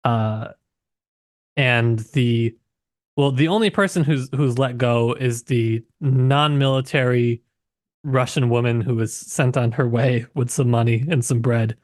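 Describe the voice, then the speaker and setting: A man's voice: medium pitch, steady tone, a little slow, no echo, clean studio sound. A man co-hosting a literary podcast, talking informally and thinking aloud as he hedges his way through his points. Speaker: podcast co-host. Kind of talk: casual literary discussion podcast.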